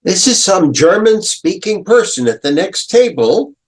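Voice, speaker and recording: Older male lecturer, unhurried, animated reading voice with a husky edge. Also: poor audio. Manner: animated, dramatic recitation with sudden high exclamations. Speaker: professor. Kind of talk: close reading lecture on a poem.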